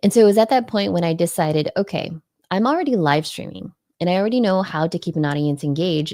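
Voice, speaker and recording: A woman with a dark, mellow tone and fairly low pitch talks at a very fast pace with lively intonation, in dry, close sound with no echo on a very clean recording with a silent background. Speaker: NLP coach. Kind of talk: interview. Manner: animated.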